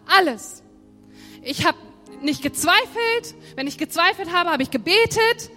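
A woman's voice: high-pitched, normal speed, a bit bright. A woman voicing a weary male prophet who pleads and feels abandoned, in a sermon. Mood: anguished. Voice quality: pleading, emotional. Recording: long hall reverb, faint music.

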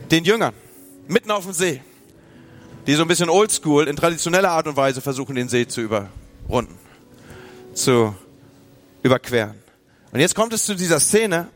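A man preaching a sermon, from northern Germany, talking straight to his listeners and acting out their inner voices. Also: mid-range voice. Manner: lively, speaks to the listener directly, acts out inner voices. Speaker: pastor.

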